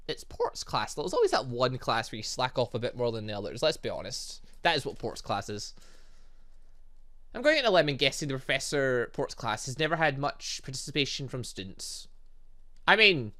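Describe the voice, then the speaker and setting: A gaming host doing casual, rambling let's play commentary, reading dialogue aloud with excitable, exasperated asides. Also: mid-range voice.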